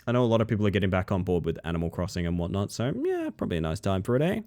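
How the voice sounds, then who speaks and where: A man's voice: sits low, huge pitch swings, rapid-fire, warm tone. A male streamer at the end of a long session, chatting casually with viewers in a sleepy, crackly voice. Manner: friendly, rambling, thanks viewers. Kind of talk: casual stream sign-off chat.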